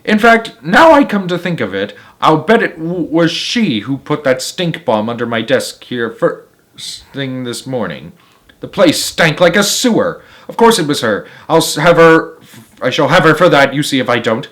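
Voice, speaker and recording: A man voicing a loud, domineering middle-aged headmistress who barks and scoffs in a children's storybook reading. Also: fairly high pitch, very animated, moderate pace. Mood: blustering. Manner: barking, shouting, scornful. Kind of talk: children's storybook read-aloud.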